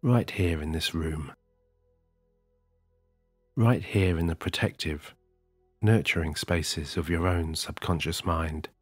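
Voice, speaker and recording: A very low, husky male voice lulls the listener toward sleep at an unhurried, calming, hypnotic pace. He's miked up close with no room sound at all, while gentle music plays faintly beneath.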